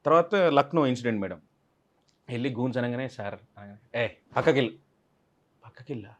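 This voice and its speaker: A man's voice: medium pitch, brisk, lo-fi sound. Guy w telling a story from a film set, acts out everyone's lines. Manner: animated, acts out others' lines in quotes. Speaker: actor guest. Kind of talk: interview storytelling.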